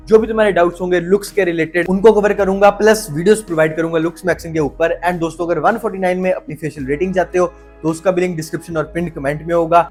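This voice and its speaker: A young man giving energetic, emphatic motivational advice in a casual vlog, repeating words for stress and using slang. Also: high voice. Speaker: self-improvement YouTuber.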